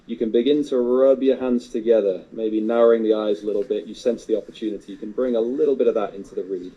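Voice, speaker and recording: Muffled, mellow male director, quick-talking. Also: fairly low pitch, fairly even intonation, breathy edge. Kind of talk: giving acting direction.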